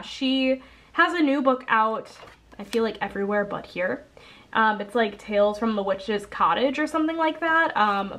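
A young woman with a slightly high voice chats casually through a congested nose. She rambles a bit, dropping ums and correcting herself as she goes. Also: a bit bright. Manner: chatty, rambling, frequent ums and self-corrections. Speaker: coloring channel host. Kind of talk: casual haul video chat. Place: indoors at a table.

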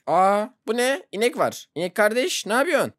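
A gaming YouTuber giving casual let's-play commentary, excitable, laughing often and yelping when startled. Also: mid-range voice, a little slow, no room sound, clean studio sound.

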